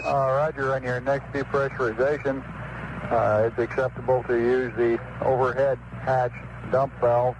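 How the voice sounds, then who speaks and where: A man's voice: mid-range voice, flat delivery, moderate pace. An American man working as a mission control radio communicator, speaking in clipped, matter-of-fact military procedure over a crackly two-way radio. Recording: noisy, narrow-band archival space radio link.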